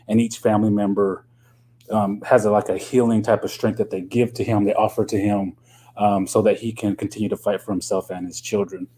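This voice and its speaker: A middle-aged man from Oklahoma speaks in a lowish voice, easing through his answers as a novelist guest. He talks loosely, with lots of ums and you-knows. His pitch rises and falls in a lively way. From Oklahoma, USA. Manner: thoughtful, loose, full of um and you know. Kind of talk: casual radio interview.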